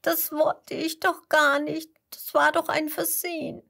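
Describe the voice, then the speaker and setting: A woman's voice: high-pitched, flat delivery, a little slow, gravelly, a bit bright, pitched above the performer's own voice, full character voice. A woman voicing a little girl velociraptor in a children's audio story, whiny and sobbing. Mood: tearful.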